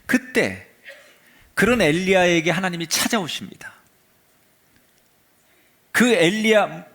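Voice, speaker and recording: A male pastor delivers a dramatic sermon in a church, his voice sitting a little high for a man. He swings from raised passages down to hushed, near-silent murmurs and has the congregation repeat phrases back to him. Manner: leads the congregation in call-and-response.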